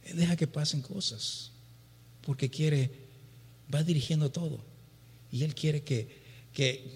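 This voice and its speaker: A man's voice: medium pitch, fairly bright tone, breathy edge. A man preaching a sermon and reading from the Bible, often repeating words and tagging questions to the congregation. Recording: long reverb of a large hall.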